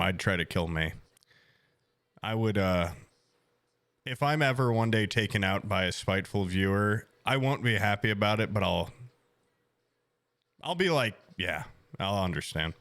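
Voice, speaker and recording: A man's voice: fairly low pitch, animated, a little slow, pauses often, a bit bright, no room sound. A man in his late twenties, a streamer chatting casually and rambling with self-mocking jokes to his viewers. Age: 20s.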